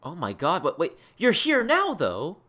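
Very animated, low-pitched woman host. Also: measured pace. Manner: effusive, playfully dramatic. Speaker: interview host. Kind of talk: casual interview.

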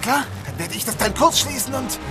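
An actor playing a cool, commanding police detective in a crime radio play, with a dry, wry manner. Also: male voice, very high voice, brisk, loud music behind the voice. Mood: urgent, commanding.

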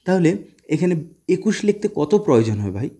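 A man from Bangladesh, an Arabic language teacher, gives a casual video lesson in a mellow, husky, fairly high-pitched voice with big pitch swings at a moderate pace. He explains step by step, poses questions and answers them himself, and mixes in English phrases.

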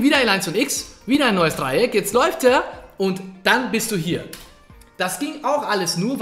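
A man giving energetic, colloquial coaching commentary over gameplay, talking straight to the viewer. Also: sits high. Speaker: gaming coach. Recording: echoey room. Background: faint background music.

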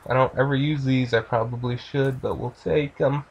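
A man's voice: medium pitch, fairly even intonation, normal speed, vocal fry, husky, highs cut off. A man giving loose, joking let's play commentary while he plays, swearing freely. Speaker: gamer.

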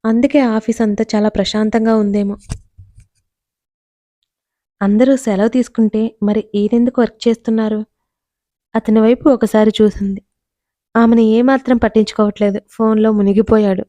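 A woman narrating a romance story with an even, measured reading. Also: a little high, no echo.

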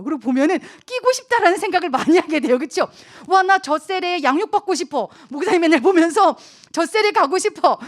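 A woman youth pastor preaching to teens in a lively manner, asking questions. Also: high-pitched. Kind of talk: youth sermon.

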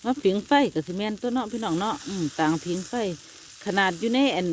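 A woman's voice: medium pitch, fairly quick, a little hiss or hum. A woman with an Isan Thai accent chatting casually to her viewers while grilling outdoors, rambling along and often calling them brothers and sisters. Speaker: vlogger. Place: backyard outdoors by a charcoal grill.

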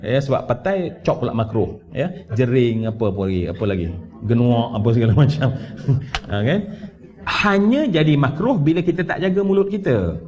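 Malaysian ustaz giving a mosque class, lively up and down voice, chatty, keeps asking the crowd, kinda muffled stream audio. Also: male voice, medium pitch, moderate pace. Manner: animated, conversational, asks the audience questions and mixes in English words. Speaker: religious teacher giving a Quran commentary class. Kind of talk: mosque lecture. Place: large mosque hall. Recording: dull livestream audio from a mosque.

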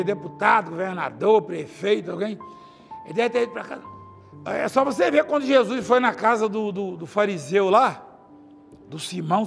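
A middle-aged man preaching a chatty, animated sermon in a large church, acting out scenes and laughing often. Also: high-pitched, vocal fry. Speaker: apostle, preacher. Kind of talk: conversational sermon. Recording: reverberant church hall with faint music.

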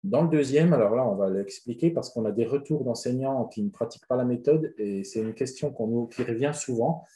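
A man's voice: mid-range voice, fairly quick, dark tone. A man presenting a webinar on a reading method, explaining in a loose, hesitant way with many fillers and restarts.

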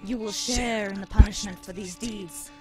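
A woman's voice: medium pitch, fairly even intonation, normal speed, lightly acted, rough recording. A woman playing an imperious, sardonic avenging spirit trapped in a housewife's body in an audio drama. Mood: menacing. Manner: scornful, commanding, sardonic. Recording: music playing underneath.

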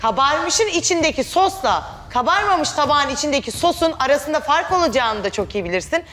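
High, insistent arguing woman contestant. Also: expressive, fairly quick, a bit bright, a little hiss or hum. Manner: insistent, argumentative. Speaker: contestant, daughter-in-law. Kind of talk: reality show argument. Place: TV studio set.

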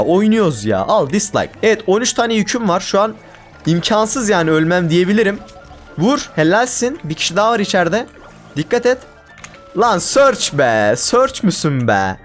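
A man giving casual commentary over his own gameplay, exasperated and ranting at his teammates. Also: high voice. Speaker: gaming YouTuber.

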